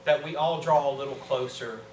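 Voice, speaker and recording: A man in his fifties with an American accent preaches a sermon earnestly, with emphatic pauses and repetition. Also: mid-range voice, darkish tone. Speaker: pastor. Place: small church sanctuary, indoors. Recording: roomy, distant mic with background hum.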